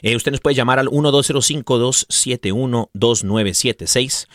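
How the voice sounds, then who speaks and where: A man's voice: mid-range voice, normal speed, a bit bright, no echo, clean studio sound. A man with a Mexican accent co-hosting a casual religious radio show, joking playfully in colloquial slang.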